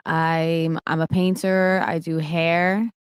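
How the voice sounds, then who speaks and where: Slow, smooth-voiced young woman. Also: deep voice, level tone, no room sound, studio quality. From Long Island, New York. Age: 20s. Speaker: panel guest.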